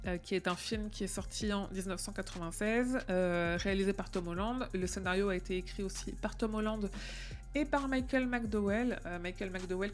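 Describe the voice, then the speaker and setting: Chatty woman streamer, faint music behind. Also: medium pitch. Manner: chatty, with many fillers and restarts. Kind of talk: casual live-stream chat.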